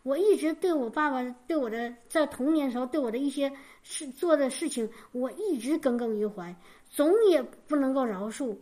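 A woman's voice: high-pitched, normal speed, warm tone. A woman preaching a sermon and giving her personal testimony, fervent, repeating key phrases for emphasis, often stammering and restarting.

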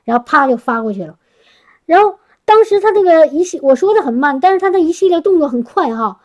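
A woman's voice: high voice, expressive, fast talker, darkish tone, dull audio. A woman speaking to a congregation, sharing a personal testimony in an earnest, chatty way with frequent restarts. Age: adult working professional.

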